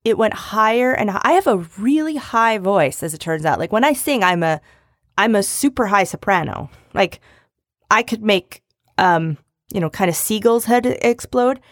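A woman co-hosting a casual comedy chat, jokey and animated, slipping into silly voices. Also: mid-range voice, moderate pace, dry recording, studio quality. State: recovering from a lost voice. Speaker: podcast co-host. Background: dog barking.

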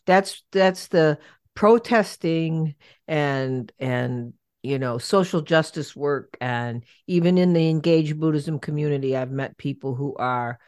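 A woman hosting a podcast, speaking in an animated, halting way with many restarts and stammers. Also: low voice, no echo, studio quality. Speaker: podcast host. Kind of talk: casual conversation.

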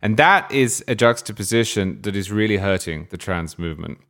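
A man on a podcast panel, making a measured, deliberate political argument. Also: lowish voice, lively intonation, fairly bright tone. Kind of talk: political discussion.

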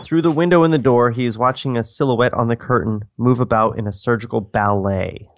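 A man's voice: medium pitch, a little fast. A man co-hosting a casual, joking script read-through, narrating stage directions and breaking off into asides. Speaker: co-host and screenplay narrator.

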